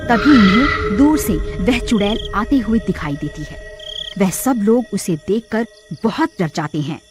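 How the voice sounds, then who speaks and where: A woman narrating a cartoon horror story in a steady, dramatic storytelling manner. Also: medium pitch, measured pace. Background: music.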